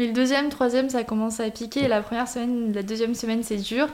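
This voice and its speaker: A woman's monotone voice with flat intonation. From Canada (Quebec), then Toulouse area. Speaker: YouTuber. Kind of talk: casual chat.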